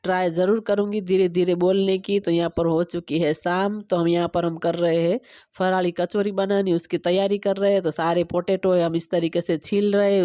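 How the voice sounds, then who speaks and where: Woman, 30s, from Gujarat, native Gujarati, quick chatty vlog narration, low pitch, dry close sound. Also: mellow, dry recording. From Gujarat, India. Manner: fast-talking, chatty step-by-step explaining. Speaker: vlogger. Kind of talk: casual cooking and cleaning vlog narration.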